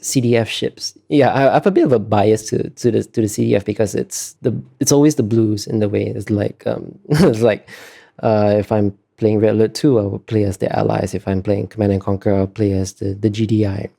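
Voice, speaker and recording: Low-pitched, gravelly man thinking aloud. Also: steady tone, brisk, mellow. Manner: hesitant, thoughtful, searching for words. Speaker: artist being interviewed. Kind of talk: casual interview answers.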